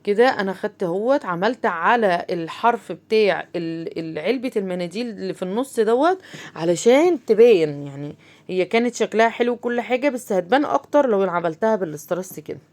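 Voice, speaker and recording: A fast-talking woman with an Egyptian accent walks viewers through a homemade craft. She keeps up a friendly, chatty stream of talk, full of fillers and direct asides to her audience. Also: medium pitch, expressive, darkish tone. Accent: Egyptian Arabic. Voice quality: chatty, talks straight to viewers, many fillers. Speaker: crafts channel host. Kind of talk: casual craft tutorial.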